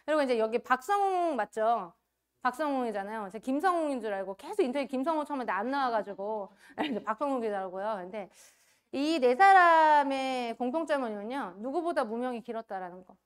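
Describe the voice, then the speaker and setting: A woman giving a motivational business training talk, animated and acting out quoted voices. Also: a little high, brisk, clear, resonant tone.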